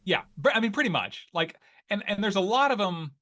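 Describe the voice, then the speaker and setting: A man's voice: high-pitched, sing-song, fairly quick, pushed and bright. A man in his forties from Northeast Ohio with an Ohio accent, talking as a guest in a casual interview and rambling with many fillers and restarts. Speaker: guest, newsletter writer.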